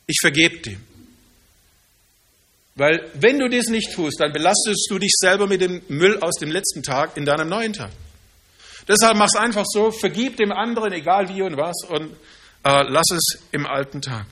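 High, bright-voiced male preacher. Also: expressive. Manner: earnest, slows down to stress key phrases. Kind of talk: sermon.

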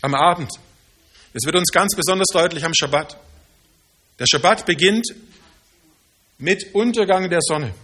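A man preaching a sermon in earnest, slowing down to stress key phrases. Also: high-pitched, pushed and bright, breathy edge.

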